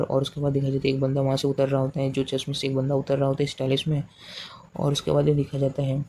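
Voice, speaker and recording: Fast, flat-voiced Indian man recapping a comic. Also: medium pitch, slight background noise. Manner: rambling, repetitive, many fillers and restarts; speaks quotes in the same flat narrating voice. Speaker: manhwa recap narrator. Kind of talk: casual story recap narration.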